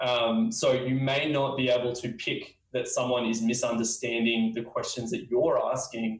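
Speaking with an Australian accent, a man keeps a medium pitch and fairly even intonation. He talks at a moderate pace. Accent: Australian, fairly broad. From Queensland, Australia. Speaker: researcher. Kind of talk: conference talk. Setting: online conference presentation.

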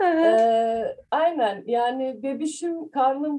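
A dark, mellow tone with ordinary pitch variation. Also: woman. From Germany (Berlin), Turkish heritage. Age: 40s. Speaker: workshop trainer, former software engineer. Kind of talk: casual interview chat. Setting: remote call from Berlin.

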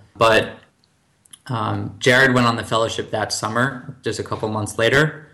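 A man with an American accent speaks in a bright, sharp tone with monotone, flat intonation. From New Jersey, US. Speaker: business development manager, former student leader. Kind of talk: interview. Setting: remote call.

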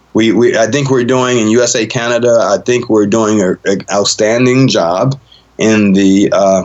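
Speaking at a fairly slow pace, a man uses a medium pitch and fairly even intonation. His loudness stays very even, and he has an unremarkable speaking voice. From Washington DC area (born Bronx, New York). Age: 50s. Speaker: pastor. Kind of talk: interview.

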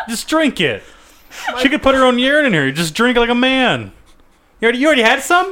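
Raising and projecting his voice, a man talks at a very fast pace with long, frequent pauses, his extremely high pitch, bright, sharp tone and lively intonation standing out. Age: 30s. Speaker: podcast co-host. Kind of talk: casual chat. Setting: studio.

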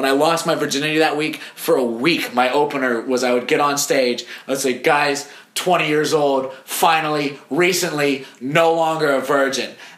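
A man's fairly high voice, fairly even in intonation, at a moderate pace over noticeable background noise. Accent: American. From US military town. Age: 20s. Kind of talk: casual chat.

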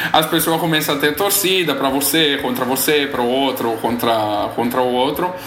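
With an Italian accent, a man speaks at a fairly high pitch, with ordinary pitch variation, very even loudness and hardly any pauses, through audible room echo and noticeable background noise. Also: moderate pace. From Italy. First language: Italian (speaking Portuguese). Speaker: chef, cooking show contestant. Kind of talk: casual chat.

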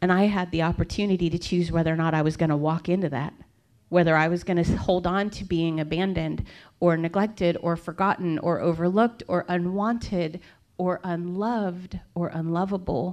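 A woman talks at a fairly quick pace in a fairly low voice. It is an unremarkable speaking voice with fairly even intonation. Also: quiet background. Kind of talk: testimony. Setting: church.

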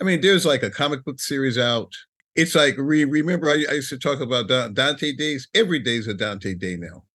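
A man's fairly high voice with a bright, sharp tone and lively intonation, against a quiet background. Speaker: independent filmmaker. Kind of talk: casual chat. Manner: halting.

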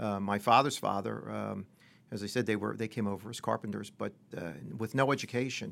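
A man's fairly quick speech with vocal fry and ordinary pitch variation. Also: fairly low pitch for a man. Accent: American. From US Northeast (Philadelphia suburbs). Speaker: lawyer. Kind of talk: interview. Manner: halting.

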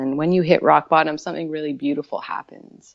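A woman's very deep, low voice with vocal fry and flat, monotone intonation. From Winnipeg, Manitoba, Canada. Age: 30s. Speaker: meditation podcast creator and writer. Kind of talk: casual interview, guided meditation creator talking about her work.

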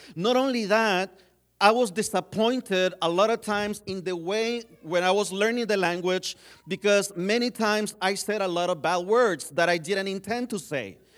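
Speaking in a Spanish accent at a moderate pace, a man uses a high pitch with ordinary variation. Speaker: preacher. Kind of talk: sermon. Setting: church.

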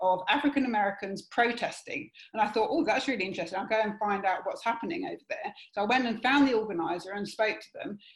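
A woman's somewhat breathy, fairly high voice with lively intonation. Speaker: academic.

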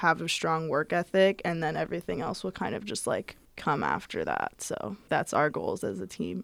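An ordinary speaking voice comes through at a moderate pace on a very clean recording with a silent background. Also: woman. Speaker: college tennis player. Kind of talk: interview.

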